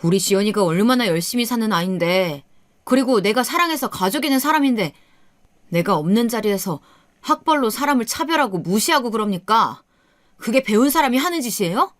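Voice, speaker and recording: A woman's voice: on the high side, lively intonation, brisk, no room sound, close to an everyday voice. A woman voicing an indignant young husband who scolds his family in a radio story. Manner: angry, lecturing.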